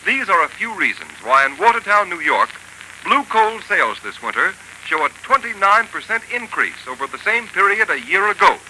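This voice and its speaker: A man announcing and reading an advertisement on a 1930s radio show in a brisk, persuasive manner. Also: sits high, very animated, pushed and bright, poor audio. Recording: hissy old 1930s radio broadcast.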